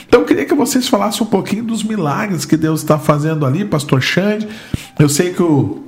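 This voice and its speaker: Brazilian man, higher voice, echoey room. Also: lively intonation, fairly quick. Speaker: host. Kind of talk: conversational religious interview. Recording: echoey room with music behind.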